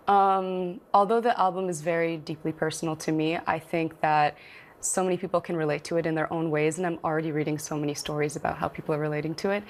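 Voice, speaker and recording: A young woman singer, born in Morocco and raised in Canada, talking earnestly as a guest in a TV studio interview, with plenty of ums and likes. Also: lowish voice. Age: young adult.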